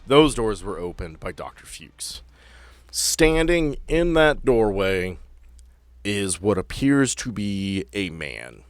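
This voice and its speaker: A man running a tabletop roleplaying game as game master, improvising the narration in a dramatic, deliberate way with pauses. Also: on the low side, big pitch swings, dry recording. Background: guitar-led music bed.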